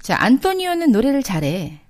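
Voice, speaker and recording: A woman teaching a language lesson, patiently drilling verb forms and repeating them slowly for listeners. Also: on the high side, big pitch swings, darkish tone.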